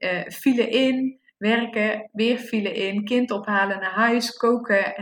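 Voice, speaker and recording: A woman's fairly high pitch at a very slow pace, with ordinary pitch variation. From Limburg, Netherlands. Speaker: virtual assistant and life coach. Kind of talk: interview conversation.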